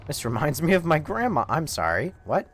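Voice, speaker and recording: Lively, rambling male streamer. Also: on the high side, brisk, slight background noise. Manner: rambling, profane, laid-back. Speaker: game streamer. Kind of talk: casual storytelling while streaming.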